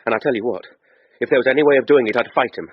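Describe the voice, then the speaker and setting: An actor playing a jealous young clerk reading out a blunt, brooding letter in a radio drama. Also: male voice, mid-range voice, rapid-fire, slight background noise, lightly acted. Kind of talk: letter read as voice-over. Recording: dull broadcast audio with music.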